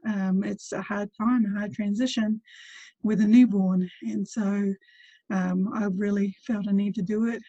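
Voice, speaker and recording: A woman's voice: mid-range voice, steady tone, unhurried, dark tone, no room sound, muffled recording. A woman with a New Zealand accent, speaking as a postpartum doula in a casual interview, chatty and full of ums.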